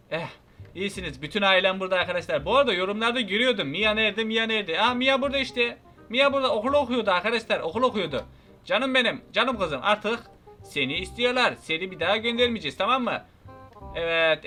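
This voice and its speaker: Excitable high-voiced man narrating a game. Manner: shouty, playful, talks to viewers. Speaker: gaming channel host.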